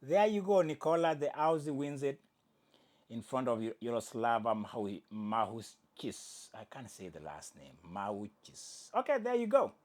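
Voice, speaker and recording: Speaking at a normal speed in a mid-range voice, a man with Swahili as his first language hosts a casual sports commentary program. He's lively and jokey, correcting himself along the way.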